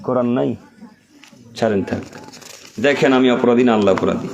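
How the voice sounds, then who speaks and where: A man's voice: mid-range voice, normal speed, vocal fry, darkish tone, lo-fi sound, slight background noise. A male preacher from West Bengal, India, giving a sermon at a religious gathering. He chants Arabic verses, explains them, and fires rhetorical questions that he answers himself. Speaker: Islamic preacher. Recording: live crowd behind.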